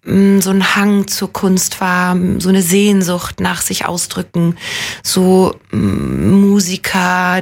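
A woman in her forties from Munich, an actress chatting as a radio guest, reflective and self-deprecating, wandering through her thoughts with plenty of fillers. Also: on the low side. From Munich, Germany. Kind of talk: casual conversational interview.

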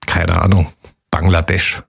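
A man's voice: low voice, level tone, a little slow, vocal fry, fairly bright tone, breathy edge. A man co-hosting a quiz podcast, chatty and joking as he tells stories and asks questions. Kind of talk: casual quiz chat.

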